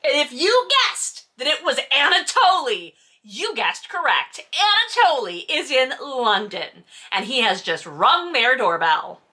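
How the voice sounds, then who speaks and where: A woman's voice: high voice, sing-song, a little slow, few pauses, bright, forceful tone. A woman hosting a casual read-along, giving mocking, exasperated commentary on a novel with sarcasm and some swearing. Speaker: host reading a novel aloud with commentary.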